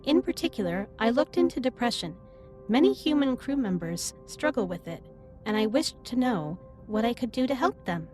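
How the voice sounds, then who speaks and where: A caring female alien captain acted by a woman speaks in a fairly high voice with formal, measured phrasing. She is gentle and reassuring, as in an intimate sci-fi roleplay drama. Music plays behind her. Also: very animated. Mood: solemn, supportive. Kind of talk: scripted roleplay audio drama, intimate comforting monologue. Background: ambient music.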